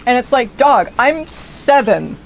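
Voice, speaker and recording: A woman's voice: on the high side, sing-song, slow pace, vocal fry, slight background noise. A woman in her twenties from the United States giving casual, rambling gameplay commentary, swearing freely. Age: 20s. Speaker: streamer.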